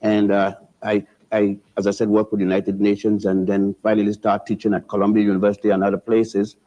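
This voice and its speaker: An older man from Puerto Rico, a guest historian who lectures with halting restarts and spells words out letter by letter. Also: fairly low pitch, monotone, dark tone. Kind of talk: lecturing TV interview. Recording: dull lo-fi TV audio.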